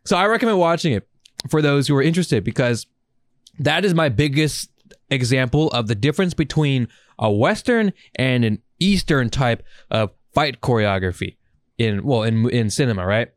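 A man's voice: medium pitch, animated, normal speed, dry recording, studio quality. A man podcasting in a casual, profane chat, rambling and enthusiastic with plenty of slang. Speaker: podcast host.

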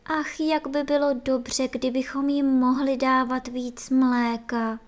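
A woman's voice: fairly high pitch, lively intonation, voice pushed up, natural voice. A woman voicing fussy, caring female nurse ants in a storybook, in a worried, calling manner. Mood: anxious.

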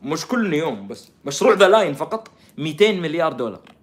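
A man runs a sarcastic live stream, talking at a rapid clip in a somewhat high voice. He mocks his subject, jumping from loud outbursts to quiet, muttered asides. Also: big pitch swings. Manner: sarcastic, mocking, swings between loud outbursts and soft mutters. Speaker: commentator streaming to viewers. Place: living in Canada.

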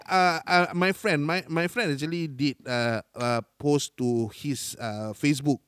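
A man with a Malay Southeast Asian accent hosting a casual online discussion, mixing slangy English with Malay and repeating words haltingly. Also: a little high, fairly even intonation, a bit bright, clean tone, no echo. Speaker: podcast host and content creator.

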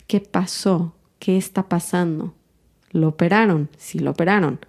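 A woman speaks in a calm, introspective podcast monologue. Her voice is mellow and sits a little low. She works through her feelings in an unhurried, thoughtful way. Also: creaky. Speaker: podcast host.

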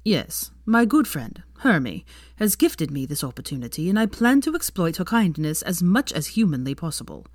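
A woman voicing a smug, aloof young wizard man who speaks low, slow and dry. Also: big pitch swings, no room sound.

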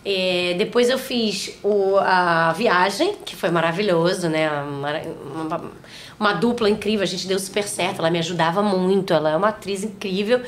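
A woman's voice: lowish voice, moderate pace, slight background noise. A woman in her forties, a podcast guest chatting casually and acting out quotes as she tells stories. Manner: animated storytelling, acts out quotes. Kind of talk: casual chat.

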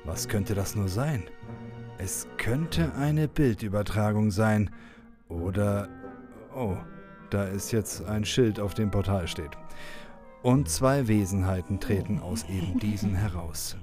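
A man with a fairly low voice narrates a homemade audio drama. His delivery is scripted and dramatic, setting scenes in a storyteller's manner, with music playing underneath. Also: takes it slowly, warm tone. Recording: music bed behind the voice.

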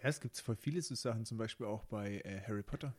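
A man's voice: on the low side, fast. A man co-hosting a casual podcast about a TV series, asking questions and making playful jokes. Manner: joking, asks questions, playful asides. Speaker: podcast co-host.

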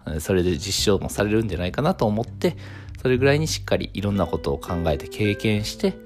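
Man, low voice, lively ups and downs, calm measured talk radio host, faint guitar music behind. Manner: calm, measured explaining with many fillers. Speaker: clinic owner and radio host. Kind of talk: solo talk radio monologue.

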